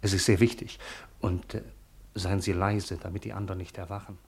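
An actor playing an urgent, secretive camp messenger in a radio drama, speaking in a hushed, hurried way. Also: male voice, deep voice, little pitch movement, creaky, slightly rough, full character voice. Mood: hushed urgency. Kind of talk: German radio drama acting.

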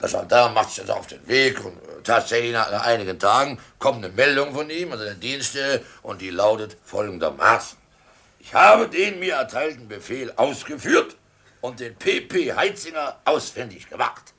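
A jovial village innkeeper in a radio play. His voice is bright and forward, and he wheedles and stumbles over repeated words like a practised tavern raconteur. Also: medium pitch, expressive, normal speed, slightly rough, full character voice. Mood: amused storytelling. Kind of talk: German radio drama acting.

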